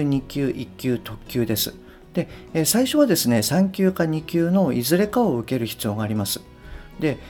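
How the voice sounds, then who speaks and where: A man hosting a business English podcast, talking politely and reading the lesson lines slowly. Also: fairly high pitch, a little mellow. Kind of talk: podcast monologue.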